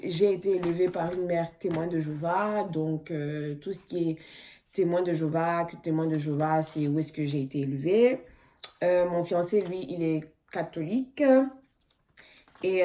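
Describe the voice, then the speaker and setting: A young woman talks to her viewers in a casual question-and-answer vlog. Her voice sits a little low for a woman. She speaks frankly and bluntly, with emphatic, direct delivery. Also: dark tone.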